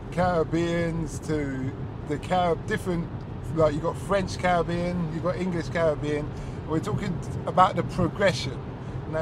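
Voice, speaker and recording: A man with a slightly raised voice hosts a casual podcast from his parked taxi, often restarting his sentences as he talks. He was recorded on a mic inside the car, and traffic noise comes through clearly. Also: fairly high pitch. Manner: chatty, with quick restarts. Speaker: taxi driver and podcast host. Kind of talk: casual chat. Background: car and street noise.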